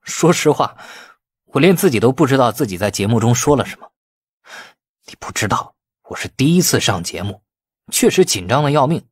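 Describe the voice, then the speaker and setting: A man's voice: medium pitch, sing-song, fairly quick, long pauses, breathy edge, no room sound, clean studio sound. A man voicing a glib, cunning young man in an audiobook, wheedling and feigning innocence with false earnestness. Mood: feigned panic.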